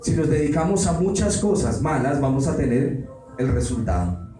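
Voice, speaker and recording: Male preacher, dramatic delivery, slightly high mellow voice, picked up from a distance in a reverberant hall. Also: very animated, moderate pace. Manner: dramatic, acts out quoted voices, rhetorical questions. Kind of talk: Bible study sermon. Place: church meeting hall. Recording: echoey hall, distant mic, faint ambience.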